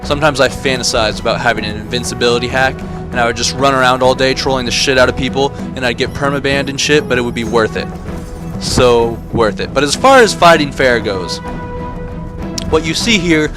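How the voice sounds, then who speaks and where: A man's voice: medium pitch, brisk. A man giving casual, sweary gameplay commentary in a blunt, aggrieved ranting manner. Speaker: gaming commentator. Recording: voice-over with music behind.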